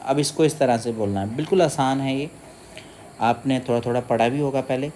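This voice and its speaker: A man teaches a Sanskrit stotram. He splits the words syllable by syllable and then chants them slowly and melodically. He asks his own questions and answers them himself. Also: mid-range voice, warm tone, slight background noise.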